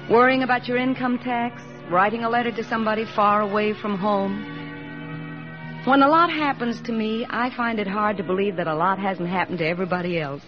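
A woman's voice: medium pitch, natural voice. A woman playing an earnest young army nurse. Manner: reflective, confiding narration. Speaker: lead actress. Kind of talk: 1940s radio acting. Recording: muffled old radio broadcast.

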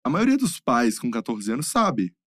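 Male co-host, earnest and reflective, lots of pitch movement, mid-pitched voice. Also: huge pitch swings, moderate pace, a bit bright, no echo, clean studio sound. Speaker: podcast co-host. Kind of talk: casual interview chat.

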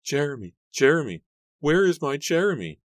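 A man's voice: on the high side, big pitch swings, moderate pace, dry recording, voice pushed up. A man voicing a frantic, grief-stricken young woman, wailing desperate questions in a dramatic storybook reading.

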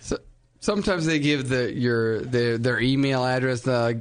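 A man chatting as a guest on a studio podcast, relaxed and laughing a lot. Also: medium pitch, unhurried, clean tone. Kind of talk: casual chat. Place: radio studio.

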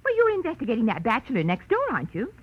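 An actress playing a nosy, prim, gossipy spinster neighbor with an American accent and husky voice in 1940s radio drama, chattering with scandalized indignation. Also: female voice, on the high side, huge pitch swings, rapid-fire, full character voice. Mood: suspicious, eager. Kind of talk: 1940s radio character acting. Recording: muffled vintage 1940s radio recording.

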